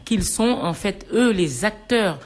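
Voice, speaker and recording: A woman's voice: medium pitch, animated, slow. A woman from Senegal hosting a radio talk show, asking questions with many hesitations and restarts.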